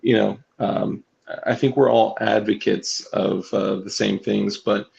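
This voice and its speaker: Raspy low-ish guy cohosting, rambly, kinda muffled lo-fi audio. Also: level tone, a little mellow. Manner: rambling, halting, many fillers. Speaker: co-host. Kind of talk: casual livestream chat.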